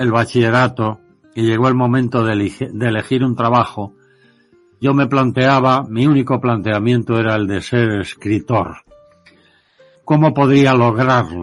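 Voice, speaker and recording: With music in the background, a man speaks at medium pitch and with fairly even intonation. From Madrid, Spain. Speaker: journalist, broadcaster and writer. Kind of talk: interview answer. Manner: reflective, unhurried.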